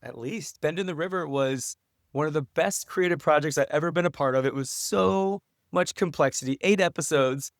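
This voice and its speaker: Slightly high-voiced male interview guest, dry sound. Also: normal speed, dry recording. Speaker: podcast guest, writer and English professor. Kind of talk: conversational interview answers.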